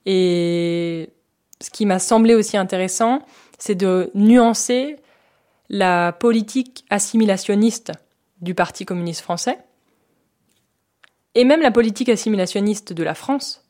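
A woman historian explaining her research in a measured way, with frequent hesitations. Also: mid-range voice, dark tone. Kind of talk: explanatory interview.

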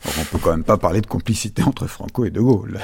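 A man's voice: low-pitched, fast talker, vocal fry, darkish tone, slightly rough, no echo, studio quality. A man, a writer, arguing firmly in a radio debate. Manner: assertive, argumentative, reads a quoted passage. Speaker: writer guest.

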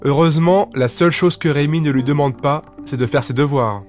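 A man telling a bedtime story in a lively, expressive reading voice. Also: fairly high pitch, a little fast, soft background music.

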